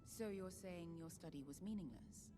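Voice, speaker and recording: An actress voicing a poised female councilor in an animated series, cool and probing. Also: fairly low pitch, normal speed, faint music behind, natural voice.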